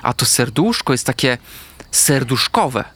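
A man's voice: medium pitch, big pitch swings, unhurried, fairly bright tone. A man voicing a friendly, eager young male puppy with a cheerful, helpful way of talking.

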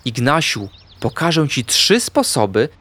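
A man voicing a calm, wise female owl who gently guides the children in a storybook. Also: medium pitch, a little slow, slight background noise. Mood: soothing.

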